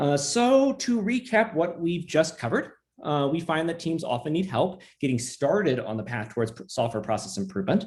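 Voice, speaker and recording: The voice runs with hardly any pauses while its pitch swings very widely. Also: man, fairly high pitch for a man. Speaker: software productivity researcher. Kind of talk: webinar presentation. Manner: fast.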